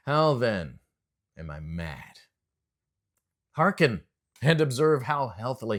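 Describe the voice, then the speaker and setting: Unhinged gothic madman, wildly swinging pitch. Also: exaggerated voice. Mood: intense, insistent. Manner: theatrical, emphatic pauses, hushed drops and sudden outbursts. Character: unhinged man, nervous, insisting he is sane, gloating over murder. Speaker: voice actor, narrator. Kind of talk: dramatic gothic story reading.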